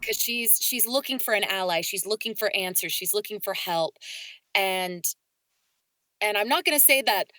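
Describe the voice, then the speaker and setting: Woman, voice actress, casual interview talk, mid-pitched, expressive explainer, very dry close sound. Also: moderate pace, no echo. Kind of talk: casual cast discussion.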